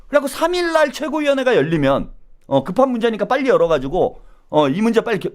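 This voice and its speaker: A middle-aged man hosting a live political commentary stream, animated and taunting, who keeps tagging his lines with "eh?". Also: very high-pitched. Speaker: political commentary channel host.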